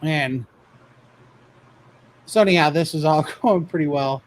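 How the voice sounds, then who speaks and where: A man's voice: on the high side, a little slow, slight background noise, rough recording. A man casually telling a funny story about himself, laughing often as he goes. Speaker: guest telling his weight-loss story.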